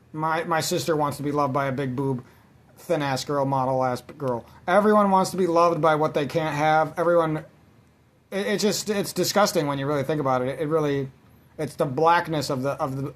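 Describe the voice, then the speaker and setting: A man's voice: a little high, normal speed. A man ranting in casual let's-play commentary, rambling and swearing constantly as he vents. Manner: rambling, profane, venting. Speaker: gaming channel host.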